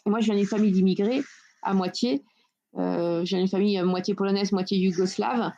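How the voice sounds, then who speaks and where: A young woman from France speaks in a mellow, dark-toned voice, taking her time and groping for words in a relaxed group discussion. The sound is dull and lo-fi. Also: medium pitch, brisk. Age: 20s. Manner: thoughtful, searching for words. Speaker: discussion guest.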